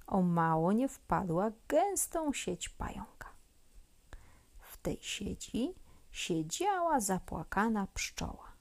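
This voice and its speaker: A woman reading a children's story aloud in a gentle, expressive way, often dropping to a near whisper. Her pitch rises and falls widely, she takes her time, and her voice has a gravelly edge. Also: takes it slowly.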